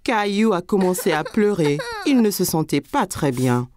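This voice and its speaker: A woman narrating a French-dubbed children's cartoon like a simple, expressive story for small kids. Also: fairly low pitch, moderate pace, no room sound.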